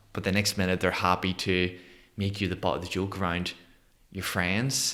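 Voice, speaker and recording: A man with a Belfast accent talks at a fairly quick pace in a bright, sharp tone. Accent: Belfast Northern Irish. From Northern Ireland, Belfast. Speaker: motivational speaker, former police officer. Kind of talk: podcast interview.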